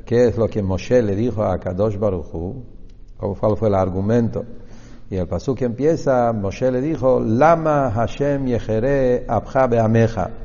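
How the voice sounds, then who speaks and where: A man's voice: lowish voice, a little slow, warm tone. A man teaches a Torah lesson, asking questions and then answering them himself. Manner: explanatory, asks and answers his own questions. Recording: dull lo-fi recording in a reverberant hall.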